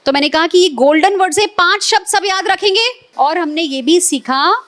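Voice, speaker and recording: A middle-aged Indian woman running an etiquette workshop, lively and coaxing the audience with questions. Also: very high-pitched, normal speed. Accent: Indian Hindi. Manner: animated, quizzes and coaxes the audience. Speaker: etiquette trainer. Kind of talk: live classroom workshop.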